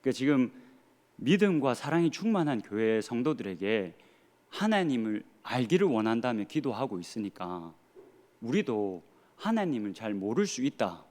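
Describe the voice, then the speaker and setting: A man's voice: mid-range voice, big pitch swings, moderate pace, darkish tone. A man in his thirties, a pastor with a Gyeongsang Korean accent, preaching a sermon earnestly with rhetorical questions and dry humor. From Gyeongsang region of Korea.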